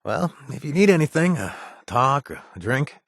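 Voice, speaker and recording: An actor voicing a gentle, awkward ex-raider companion in a video game, talking haltingly with many fillers and restarts. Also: male voice, on the high side, big pitch swings, creaky, no room sound, studio quality, heavily acted. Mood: friendly. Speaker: companion character.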